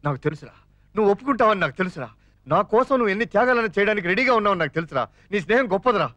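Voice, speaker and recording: An actor playing a fast-talking, scheming young father who pleads and teases his friend in a comic film scene. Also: high voice, expressive, sharp tone, no room sound. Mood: teasing. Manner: rapid, jokey, wheedling. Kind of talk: 1990s Telugu film acting.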